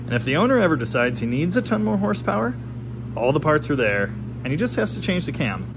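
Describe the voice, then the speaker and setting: A man talks through an engine build in a cluttered home garage, his pitch rising and falling in a lively, wry way. The room is noisy, with a steady hum of background sound under his voice, picked up by the camera's microphone. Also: quick pace. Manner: animated, wry, talks with his hands while showing parts. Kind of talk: casual explanatory workshop commentary.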